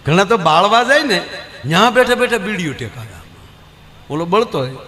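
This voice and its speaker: A man's voice: sits high, sing-song, moderate pace, sharp tone, big-room sound. A man from Gujarat, telling folk comedy stories on a live stage and acting out the voices of the people in his jokes. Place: live stage show before an audience.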